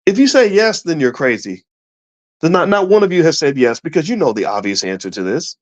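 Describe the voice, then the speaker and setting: A man's voice: a little high, sing-song, brisk, highs cut off. A man giving impassioned commentary in a preachy, emphatic way, putting questions to his listeners.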